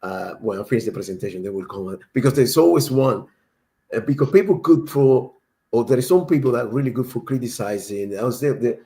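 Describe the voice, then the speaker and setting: A man's voice: mid-range voice, expressive, a little fast, warm tone. A man from Cuba with a Cuban Spanish accent, a native Spanish speaker, chatting emphatically and repeating words as he speaks. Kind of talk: casual chat.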